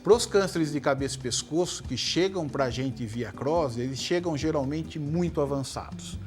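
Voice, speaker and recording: A man, a head and neck surgeon, giving measured explanations in a TV interview. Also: on the high side, soft background music. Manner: measured, many tag questions. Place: TV studio.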